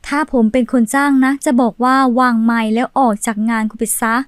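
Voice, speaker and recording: A woman hosting a channel, reading viewer comments aloud in a steady voice with a short pause before each one. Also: on the high side, no echo. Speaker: channel host.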